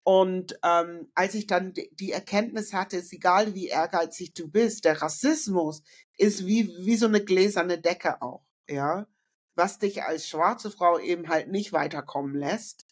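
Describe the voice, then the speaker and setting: A woman's voice: on the low side, unhurried, breathy edge. A middle-aged woman from northern Germany, a guest in a casual interview, talking reflectively with many fillers and restarts over a video call from a room indoors. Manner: reflective, frequent fillers and self-corrections.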